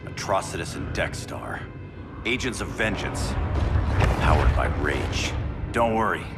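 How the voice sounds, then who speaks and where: Deep-voiced wisecracking space hero. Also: male voice, expressive, a little slow, gravelly, heavily acted. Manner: cocky, dry quips. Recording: loud music score behind. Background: loud orchestral score.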